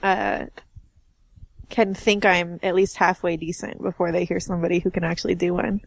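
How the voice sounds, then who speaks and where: A woman's voice: fairly low pitch, little pitch movement, normal speed, vocal fry, no echo. A woman co-hosting a casual podcast, giggly and self-deprecating. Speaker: podcast co-host.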